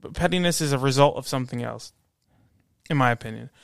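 A man's voice: medium pitch, fast, vocal fry, no echo, studio quality. A man talking in casual podcast banter, earnest and repeating himself as he coaxes his friends. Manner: earnest, repetitive, coaxing. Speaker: podcast co-host.

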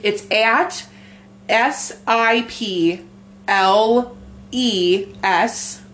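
A woman with a raspy voice co-hosting a casual podcast, swearing freely and rambling with lots of fillers. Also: on the high side, extremely slow, a bit bright. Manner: profane, rambling, filler-heavy. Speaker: podcast co-host. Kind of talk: casual chat.

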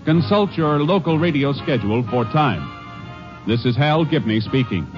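A man's voice: medium pitch, sing-song, unhurried, over music. A man working as a network announcer, reading formal, presentational script in 1950s radio style. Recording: muffled 1950s radio recording.

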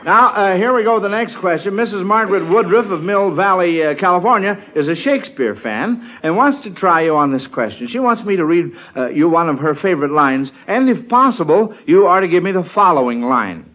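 A man hosting a 1940s radio quiz show in a halting, folksy way, often stammering through false starts. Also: sits high, expressive. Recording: muffled, noisy old radio broadcast.

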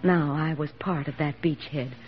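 An actress playing a steady, plain-spoken army nurse lieutenant who narrates and soothes wounded men in a 1940s radio drama. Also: female voice, low voice, normal speed, close to an everyday voice. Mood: somber. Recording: dull old radio broadcast with music.

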